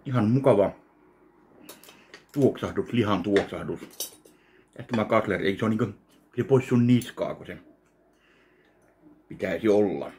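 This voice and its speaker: A man with a very low voice reviews food at his kitchen table, speaking close to a webcam. He chews and hums between remarks, his words sometimes muffled by food. Faint household noise sits behind him. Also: pauses often, darkish tone. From Finland. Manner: chewing and savoring aloud, mumbled asides while eating. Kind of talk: casual food tasting vlog. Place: small home kitchen, indoors. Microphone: webcam at desk, framed close.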